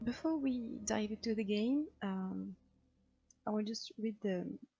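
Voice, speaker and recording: Speaking at a very slow pace, a woman with a French accent sounds somewhat breathy, her fairly high pitch carrying ordinary pitch variation. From France. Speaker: let's play gamer and writer. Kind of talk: let's play commentary. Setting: home recording late at night. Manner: halting.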